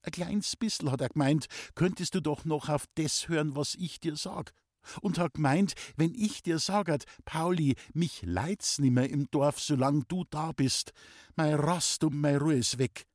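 A man's voice: fairly high pitch, lively intonation, measured pace, a little mellow, dry recording, pitched above the performer's own voice. A shy, flustered young village girl, as a male reader puts her on, her words tumbling out in a hasty, stammering rush. The voice sits well above the reader's own and sounds dry and close, with no room around it. She is voiced for a storybook audiobook. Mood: eager.

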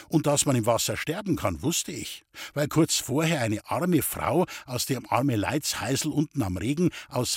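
A man from the Bavarian Forest reads his childhood memoir aloud, calm and unhurried. His voice is husky and middle in pitch. The recording is close and dry. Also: no room sound. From Bavarian Forest, Germany. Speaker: author reading his memoir.

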